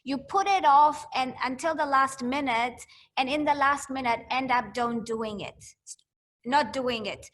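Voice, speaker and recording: High-voiced woman explaining calmly. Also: measured pace, a little hiss or hum. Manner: repeats phrases to stress points. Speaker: mental health educator. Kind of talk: explanatory talk to students.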